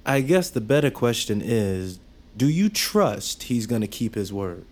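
A wary young apprentice. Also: male voice, mid-range voice, sing-song, measured pace. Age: young adult. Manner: distrustful, blunt. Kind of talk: audio drama.

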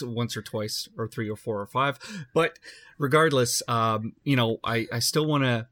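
A man who produces audio dramas, talking casually in a halting way with lots of restarts. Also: mid-range voice, fairly bright tone, no room sound. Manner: halting, many restarts and fillers. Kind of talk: casual podcast chat.

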